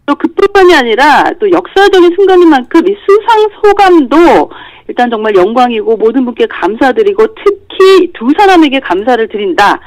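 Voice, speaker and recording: A woman delivering a lively entertainment news report on a radio show. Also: high-pitched, moderate pace, no room sound, low-quality recording. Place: radio studio.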